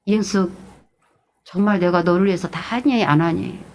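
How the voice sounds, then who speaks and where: A middle-aged woman pastor preaching an animated sermon, moving between loud exclamations and hushed, whispered asides. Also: lowish voice, moderate pace.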